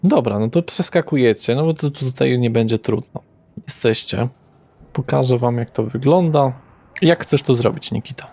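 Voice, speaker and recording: A man's voice: medium pitch, moderate pace, darkish tone, no echo. Man running a tabletop game. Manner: describes scenes loosely, with fillers and self-corrections. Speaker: game master.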